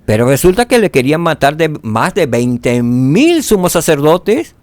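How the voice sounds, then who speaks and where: A man teaching a scripture lesson, asking rhetorical questions and dropping to soft tones for emphasis. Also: fairly high pitch, sing-song, a little slow, no echo.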